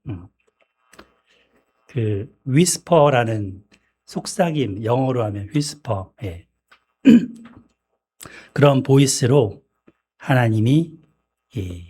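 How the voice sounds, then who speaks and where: Slow, measured Korean preacher. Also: male voice, mid-range voice, warm tone. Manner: slow, measured preaching with frequent throat clearing. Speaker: pastor. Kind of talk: sermon. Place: church.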